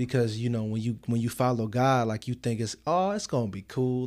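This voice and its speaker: A man's unremarkable speaking voice with an American accent, medium pitch, ordinary pitch variation and a moderate pace, in a very clean recording with a silent background. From Southeast Washington, D.C. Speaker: gospel music industry professional. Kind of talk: casual interview.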